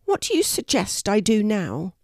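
A polite, remorseful male blackbird, as a woman reading aloud puts him on. His voice lifts a bit above her own and moves in a lively way, close and dry. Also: mid-range voice, moderate pace, no echo, pitched above the performer's own voice. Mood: grateful. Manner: apologetic, earnest storybook voice.

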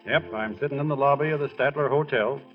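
A man's voice: mid-range voice, quick pace, faint music behind, close to an everyday voice. A man playing a modest, earnest, bashful baseball star in a 1940s radio drama, speaking plainly. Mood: understated. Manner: plain-spoken, hesitant, understated. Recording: muffled old radio broadcast.

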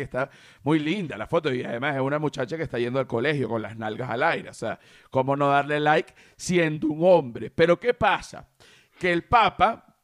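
A Venezuelan man hosting a podcast, chatting and joking in an animated way, often stretching words for emphasis. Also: on the high side, no echo, clean studio sound. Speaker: podcast host. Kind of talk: casual comedic chat.

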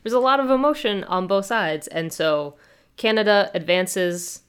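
A woman's voice: mid-range voice, unhurried, smooth. A woman hosting a casual sports podcast, chatty and thinking aloud with fillers as she recaps matches. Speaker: soccer podcast host.

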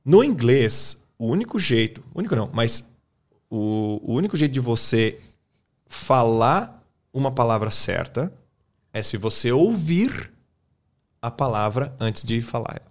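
A man with a Brazilian Portuguese accent, an English teacher explaining his method in a relaxed, colloquial chat, often tagging his sentences with quick questions. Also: mid-range voice. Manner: relaxed, colloquial, peppers speech with tag questions.

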